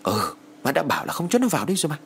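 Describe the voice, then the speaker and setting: A man voicing an anxious, scowling village husband, talking loudly and impatiently. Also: on the high side, wildly swooping pitch, creaky, slightly rough, voice pushed up, heavily acted. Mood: irritated. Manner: loud, exasperated, quick.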